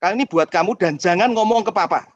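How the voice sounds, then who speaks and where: A man's voice: high-pitched, fast talker, lo-fi sound, voice pushed up, close to an everyday voice. A man voicing a flustered mother who hurriedly hands her son money to keep a secret. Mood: secretive.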